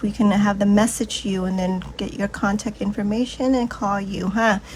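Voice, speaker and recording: Against noticeable background noise, a woman speaks at a moderate pace with fairly even intonation. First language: Vietnamese. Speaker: nail technician and product demonstrator. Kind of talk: product tutorial and sales pitch.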